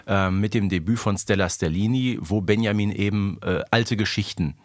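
A man's voice: lowish voice, normal speed, no echo. A man co-hosting a fan podcast in casual chat, explaining details. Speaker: podcast host.

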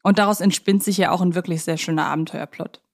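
A woman's voice: on the low side, fairly even intonation, quick pace. A young adult woman co-hosting a podcast, discussing films casually in a reflective, explanatory way. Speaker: podcast co-host.

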